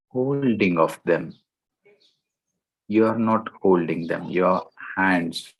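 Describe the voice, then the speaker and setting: A man guiding a meditation in a gentle, deliberate way, speaking in short phrases with long pauses between them. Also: low voice, husky, poor audio. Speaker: meditation guide. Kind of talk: guided meditation instruction.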